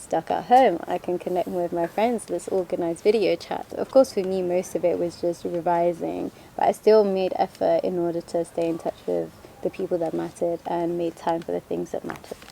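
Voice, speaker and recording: A woman talks at a fairly quick pace, with noticeable background noise present. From UK. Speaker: junior doctor and video creator. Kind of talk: casual Q&A monologue. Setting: garden.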